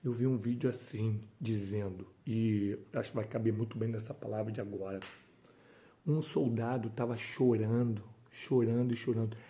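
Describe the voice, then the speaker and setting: A man's voice: on the low side, fairly even intonation, normal speed, warm tone. A man preaching a devotional sermon, fervent and emphatic, breaking into exclamations of praise.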